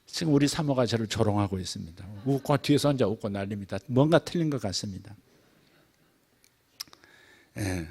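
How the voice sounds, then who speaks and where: A middle-aged man preaching a sermon as pastor, moving between quiet asides and loud, emphatic lines, sometimes acting out a child's prayer. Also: lowish voice, animated, fairly quick, pauses often, husky.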